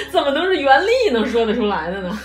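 A woman's voice: high voice, moderate pace. A woman with a Beijing accent chatting casually and teasingly as a podcast host. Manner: animated, teasing. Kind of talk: casual chat. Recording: roomy echo, faint music behind.

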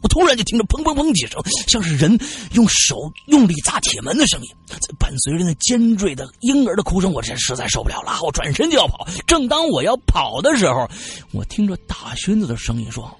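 A man telling a spooky story in an animated, dramatic way. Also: high-pitched, fairly quick, hardly any pauses. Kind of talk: casual spoken ghost story.

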